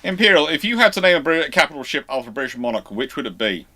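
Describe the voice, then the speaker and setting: A man hosting an informal live question-and-answer stream, explaining in a rambling, halting way with repeated false starts. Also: a little high, very animated, sharp tone. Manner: over-careful emphasis on some words. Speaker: host of live naval history Q&A stream.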